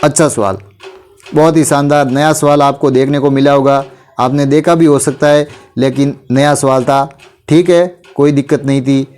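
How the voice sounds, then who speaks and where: A man's voice: mid-range voice, fairly even intonation, a little mellow, soft background music. A male teacher with a sore throat, running a quiz revision class and urging students on with repeated friendly address. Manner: repeats "bhai", urges students to answer quickly.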